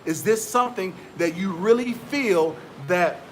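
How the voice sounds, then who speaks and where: A man's voice: high voice, measured pace, a little hiss or hum. A man, giving motivational business advice straight to his viewers in a preachy, repetitive way. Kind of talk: motivational talk to camera.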